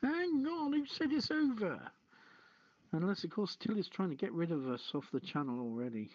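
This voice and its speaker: A man hosting a casual live show, chatting and reading items in a halting, jokey manner. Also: high-pitched, big pitch swings, dry recording. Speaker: radio show host. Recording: dull, lo-fi audio.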